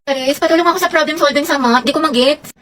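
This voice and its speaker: A woman with a Filipino accent playing several chatty schoolgirls in comedy skits, switching lively between characters. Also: high-pitched, fast. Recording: music playing behind the voice.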